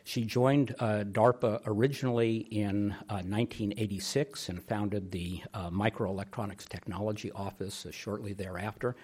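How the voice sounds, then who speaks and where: A middle-aged man with a fairly low, husky voice makes a podium speech as host. He delivers a formal introduction, halting and deliberate. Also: steady tone, darkish tone.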